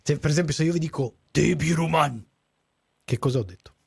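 A man's voice: fairly high pitch, expressive, rapid-fire, warm tone, husky. Jokey man co-hosting a podcast. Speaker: podcast co-host. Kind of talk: casual chat.

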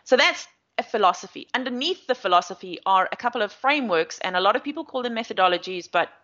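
A South African–accented woman, an agile coach, gives long, chatty and explanatory interview answers loaded with fillers. Her mid-range voice is expressive, fast and sharp in tone, and the audio is slightly dull.

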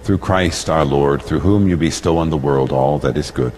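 Solemn priest in cathedral echo. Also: male voice, a bass voice, darkish tone, slight background noise. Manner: solemn, measured. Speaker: priest celebrating Mass. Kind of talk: liturgical chanting and spoken prayer. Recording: echoing cathedral-like hall, long reverb.

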